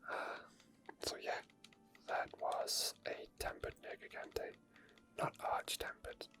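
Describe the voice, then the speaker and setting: A person whispering unscripted ASMR gameplay commentary in a soft, breathy, unhurried way, thinking aloud. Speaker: gaming ASMR video creator.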